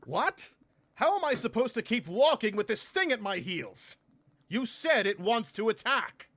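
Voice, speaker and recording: Panicky, irritable young male traveller, visual novel: high register, animated, sputtering indignation. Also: measured pace, exaggerated voice. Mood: indignant panic. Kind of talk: visual novel game voice acting.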